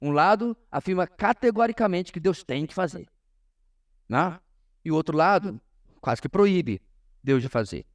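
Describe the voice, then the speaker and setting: A man with a Brazilian Portuguese accent teaches a church class as a pastor, in an informal sermon style, emphatic and often pausing to address his listeners directly. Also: fairly high pitch, animated. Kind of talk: informal sermon-like lesson to a congregation.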